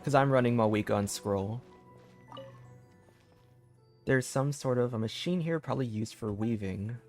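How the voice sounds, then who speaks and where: A man's voice: mid-range voice, normal speed, a little mellow. A man casually commentating on a live game stream and reading bits of on-screen text aloud. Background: game music.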